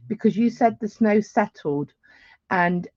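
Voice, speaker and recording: A woman's voice: medium pitch, unhurried, darkish tone, no room sound, highs cut off. A woman, giving a chatty live beading tutorial with rambling asides. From England.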